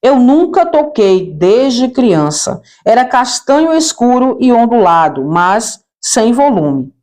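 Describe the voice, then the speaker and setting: A woman's voice: a little high, a little mellow. A woman with a Brazilian accent narrating a church testimony expressively, addressing listeners as brethren. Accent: Brazilian Portuguese.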